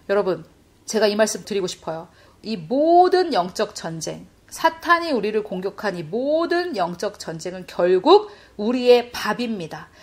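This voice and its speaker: A woman preaching a sermon-style spiritual teaching, fervent and building to loud exclamations. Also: mid-range voice. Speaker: Christian preacher.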